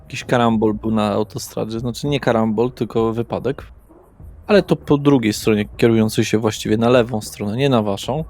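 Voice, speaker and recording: A man's voice: lowish voice, fairly even intonation, fairly quick, a little mellow. A man narrating a tabletop audio roleplay as game master.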